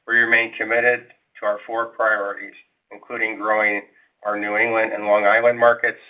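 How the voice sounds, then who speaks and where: Low-voiced man on a tinny phone line. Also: little pitch movement, moderate pace. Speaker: company executive on an earnings call. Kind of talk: scripted financial presentation.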